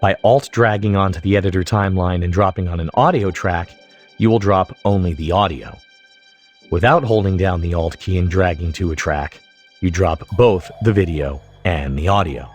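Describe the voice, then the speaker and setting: A middle-aged man giving scripted tutorial narration in a deliberate, emphatic way. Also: low-pitched, soft background music. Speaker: software tutorial instructor.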